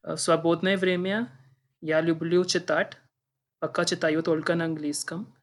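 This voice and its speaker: Here the same kind of speaker appears: a Hindi-speaking man from India in his twenties, guesting on a podcast and answering interview questions in a second language. His accented speech is careful, formal and slightly anxious, pitched high with little movement, at a moderate pace.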